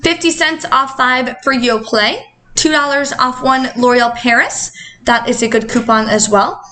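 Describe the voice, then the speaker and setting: A woman with a high-pitched, bright voice chats through deals like a casual vlogger. Her speech is slightly affected by the retainers she is wearing, and her delivery is upbeat. Some background noise sits faintly behind her. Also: fairly even intonation, unhurried. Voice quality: talking with dental retainers in, slightly altered articulation. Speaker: couponing vlog host. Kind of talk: casual coupon-deal vlog narration.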